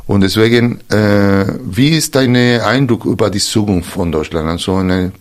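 Low-voiced hesitant male interview host. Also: normal speed. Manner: hesitant, searching for words, many fillers and restarts. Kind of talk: reflective interview talk.

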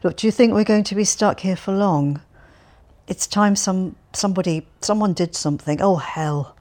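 A woman's voice: medium pitch, moderate pace, darkish tone, natural voice. A woman reading an audiobook, voicing an impatient, irritable young man who answers curtly and grumbles. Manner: curt, grumbling.

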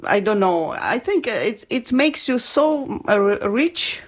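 A woman's voice: mid-range voice, big pitch swings, unhurried. Woman, hesitant. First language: Ukrainian. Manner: hesitant, many fillers and restarts, laughs often. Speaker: guest. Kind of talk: casual panel chat.

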